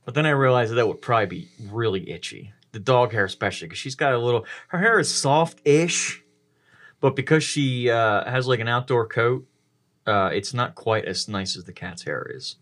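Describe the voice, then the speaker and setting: A man co-hosting a podcast, telling casual anecdotes in an animated way. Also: medium pitch, normal speed. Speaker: podcast co-host.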